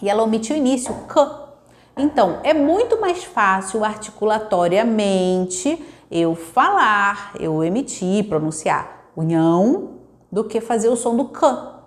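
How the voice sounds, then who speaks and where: A woman speech therapist from Brazil explaining child speech development to parents, often checking in with tag questions and acting out little parent voices. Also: fairly high pitch. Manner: acts out playful parent voices in quoted examples. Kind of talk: educational talk to parents.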